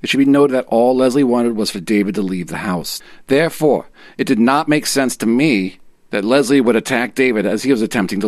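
A man's voice: medium pitch, no echo, close to an everyday voice. A man voicing a clichéd movie cop with an exaggerated northeastern US accent, formally reading out a police report in a dramatic reading. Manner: formal, procedural, matter-of-fact.

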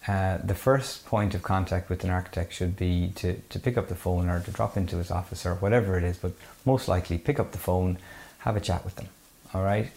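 A man's voice: low voice, a little mellow. A man with a west of Ireland accent explains things conversationally as an interview guest, often hedging and rephrasing as he goes. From County Mayo, west of Ireland.

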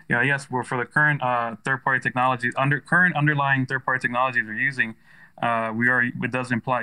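A man's voice: mid-range voice, bright, forceful tone, poor audio. An American man giving casual, enthusiastic and emphatic explanations as an interview guest, often adding "you know". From United States. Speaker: tech startup founder, interview guest.

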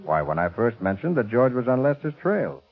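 A commanding American detective from a 1940s radio play, talking briskly and decisively. His pitch swings in a lively way, and the old recording is dull and lo-fi. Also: soft background music. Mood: calm, explaining. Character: quick-thinking, commanding male private detective. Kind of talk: 1940s radio drama acting.

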